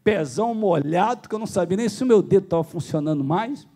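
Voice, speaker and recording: A Brazilian pastor preaching in church with a fairly high voice that swoops widely as he tells his stories. He chuckles through the anecdotes and leaps higher still when excited, with a Brazilian Portuguese accent throughout. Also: fast. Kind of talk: sermon.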